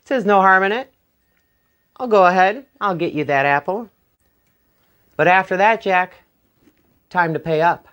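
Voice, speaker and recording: A devilish tall dark stranger, as a storyteller puts him on, stern and ominous and used to giving orders. His voice sits close to the teller's own, measured and slow in the manner of a fireside folktale. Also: mid-range voice, clear, resonant tone, lo-fi sound, lightly acted. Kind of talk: oral folktale telling.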